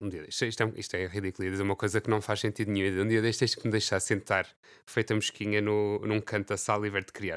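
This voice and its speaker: A man talks very fast at a fairly low pitch. The recording is very clean, with a silent background. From Portugal, Fundão (Beira). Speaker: podcast host. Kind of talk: casual interview chat.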